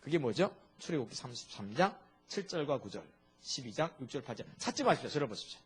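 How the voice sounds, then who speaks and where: A male pastor delivering a sermon, asking his congregation frequent rhetorical questions in an animated preaching manner. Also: medium pitch, quick pace, breathy edge.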